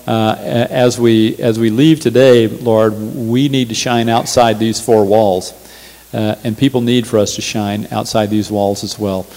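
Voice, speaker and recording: A man's voice: lowish voice, fairly even intonation, unhurried, darkish tone, big-room sound, rough recording. A male pastor preaching a sermon in a church, emphatic and repeating his key phrases. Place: church sanctuary.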